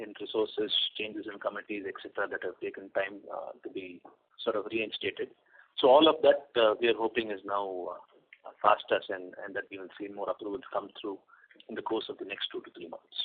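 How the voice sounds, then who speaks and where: A male executive with a fairly deep voice speaks over a tinny phone connection. He answers on an earnings call in halting, broken phrases. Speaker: company executive. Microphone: telephone conference call. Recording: narrow, tinny phone line.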